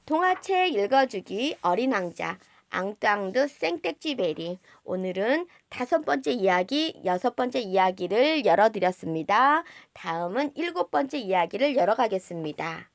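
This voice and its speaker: A woman narrating a storybook in an expressive scripted reading style, as host of a read-aloud channel. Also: medium pitch, normal speed, no echo, clean studio sound.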